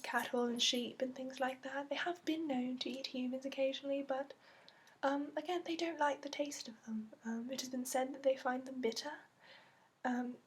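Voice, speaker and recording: Woman as fantasy dragonology instructor, very high soft voice, put-on accent, halting, gentle ASMR delivery, audible background noise. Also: lightly acted. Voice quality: soft, often slipping into whisper. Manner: hesitant, explanatory, frequent ums. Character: gentle female instructor briefing new dragon companion recruit. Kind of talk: soft-spoken ASMR roleplay.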